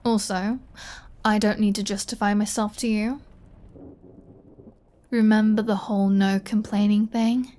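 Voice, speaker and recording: A woman's voice: mid-range voice, flat delivery, unhurried, pauses often, dark tone, lightly acted. A woman voicing a flirty, possessive female vampire in an intimate ASMR roleplay, with a teasing, playfully threatening manner. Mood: fond exasperation.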